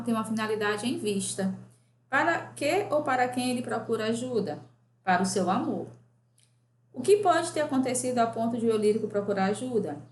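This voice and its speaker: A woman teacher correcting grammar exercises for a class, reading questions aloud and often checking in with "né?". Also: fairly high pitch. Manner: reads exercises aloud, asks the class, frequent "né?". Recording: echoey room with faint ambient noise.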